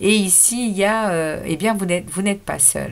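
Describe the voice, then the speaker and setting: A woman's voice at a fairly slow pace, with ordinary pitch variation. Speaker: tarot card reader. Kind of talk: tarot reading. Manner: halting.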